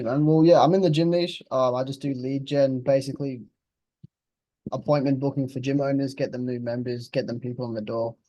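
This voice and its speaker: A man's voice: medium pitch, warm tone, dry recording, poor audio. A man of twenty in a casual interview, talking bluntly and laid-back, dropping the odd swear word. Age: 20s. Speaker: interviewed client.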